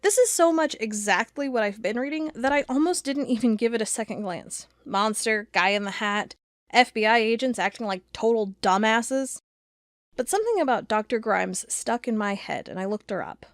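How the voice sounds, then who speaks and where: A woman's voice: on the high side, normal speed, no echo, studio quality, lightly acted. A woman playing an investigator narrating a strange case in a scripted audio drama. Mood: animated, incredulous. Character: female investigator narrating a strange case, reading aloud reports.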